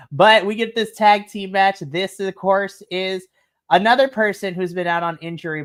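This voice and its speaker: A woman co-hosting a casual wrestling recap, chatty and enthusiastic, often breaking into giggles. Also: lowish voice. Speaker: podcast co-host.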